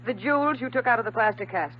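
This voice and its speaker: A woman's voice: a little high, fast talker, natural voice. An actress playing a hard young female jewel thief in a 1950s radio drama, with clipped, tense delivery. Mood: threatening. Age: young adult. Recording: muffled, noisy old radio broadcast.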